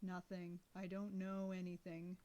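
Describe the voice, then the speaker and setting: A woman voicing a deaf elderly man who speaks slowly and wheezes, lower than her usual voice. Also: warm tone, muffled recording, close to an everyday voice. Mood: hostile. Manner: slow, low and wheezy. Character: elderly male, wheezing, slow, deaf, turns hostile.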